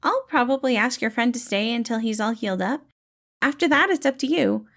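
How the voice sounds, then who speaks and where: A woman's voice: a little high, expressive, fairly quick, gravelly, voice pushed up. A woman voicing a tiny, kindly, cheerful male healer who talks in an eager, reassuring, fatherly way for a storybook. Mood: upbeat, explaining. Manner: eager, reassuring, gentle, calls people kiddo.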